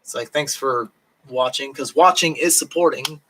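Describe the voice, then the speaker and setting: A man's voice: mid-range voice, sharp tone, slight background noise, low-quality recording. Drunk man rambling on a live stream. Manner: rambling, halting, many fillers and restarts. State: voice going hoarse. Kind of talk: rambling late-night live stream chat. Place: home in Japan.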